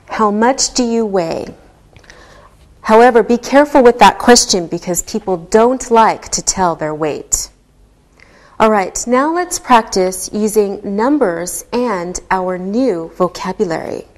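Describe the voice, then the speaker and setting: Very slow, deliberate woman teacher. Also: mid-range voice, lively intonation. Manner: patient, deliberate, spells things out step by step. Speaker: English teacher. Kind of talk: slow, clearly enunciated classroom teaching.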